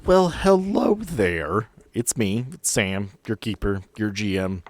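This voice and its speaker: A man's voice: fairly low pitch, lively intonation, takes it slowly. A man hosting a tabletop game podcast as game master, chatting casually, joking, swearing freely and interrupting himself.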